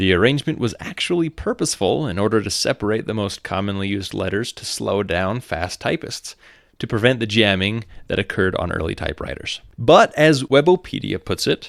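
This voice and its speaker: Using a plain, everyday voice, a man with a fairly low pitch speaks fairly quickly in an American accent, his intonation lively. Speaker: podcast host. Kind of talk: scripted narration.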